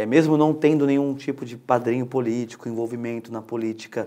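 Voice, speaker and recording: A man at a fairly quick pace. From Barueri, São Paulo state, Brazil. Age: 30s. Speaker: city councillor. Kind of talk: studio interview. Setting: studio. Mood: friendly, smiling. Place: studio. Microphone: lapel.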